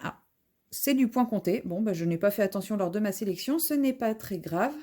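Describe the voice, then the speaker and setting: A woman's voice: medium pitch, expressive, brisk, dark tone. A woman vlogger in a casual unboxing video, chatting as she describes each craft item while she unpacks it at home.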